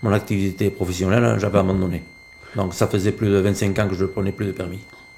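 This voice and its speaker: A man with a very deep, low pitch talks at a very fast pace. His intonation stays fairly even over noticeable background noise. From French Basque Country. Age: 60s. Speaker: retired farmer. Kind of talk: interview testimony. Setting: studio. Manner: halting.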